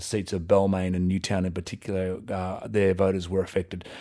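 The recording is very clean with a silent background. A man with an Australian accent speaks at a fairly quick pace. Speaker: podcast co-host, PR consultant and former journalist. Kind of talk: casual chat.

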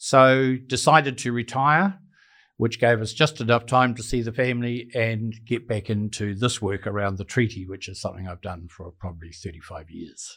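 At a moderate pace, a speaker with a New Zealand accent is heard on a very clean recording with a silent background. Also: man, medium pitch for a man, ordinary pitch variation, big swings in loudness. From New Zealand, Waikato. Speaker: treaty educator and former teacher. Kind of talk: interview.

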